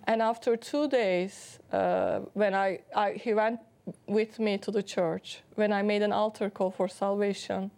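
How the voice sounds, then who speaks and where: A woman's voice: mid-range voice, fairly even intonation, a little slow, darkish tone. A woman with a heavy Turkish accent, a guest on a Christian talk show telling her personal testimony in earnest, often laughing as she speaks.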